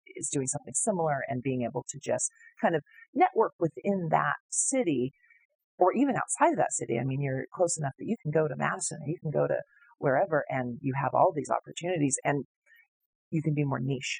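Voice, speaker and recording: A woman speaks with a West Coast accent. Her pace is fairly quick. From Grants Pass, Oregon, USA. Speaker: burlesque performer. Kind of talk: oral history interview answer.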